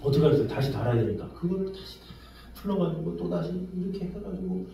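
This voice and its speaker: A man preaching a sermon, telling an everyday story with lively exclamations and then drawing a lesson from it. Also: high-pitched, fast talker, creaky, faint music behind. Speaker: pastor. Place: church sanctuary. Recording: very echoey, distant from the mic.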